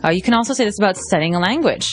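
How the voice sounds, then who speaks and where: A woman's voice: medium pitch, lively intonation, rapid-fire. A woman co-hosting an English lesson podcast, explaining phrases with examples. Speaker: co-host, English teacher. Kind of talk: language lesson podcast chat.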